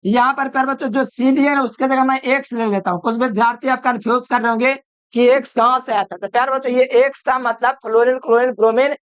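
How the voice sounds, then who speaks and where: A man's voice: extremely high pitch, steady tone, fast, fairly bright tone, smooth, dry recording. A man teaching chemistry in a lecture, often calling students dear children and answering his own questions. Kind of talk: classroom lecture.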